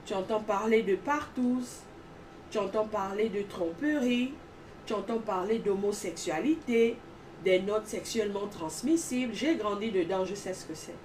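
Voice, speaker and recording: A woman speaks in an earnest testimony style, stacking emphatic repeated phrases. Her voice is mid-pitched and sits away from the microphone. A faint noise runs behind her. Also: moderate pace, darkish tone, distant mic, poor audio. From Gabon.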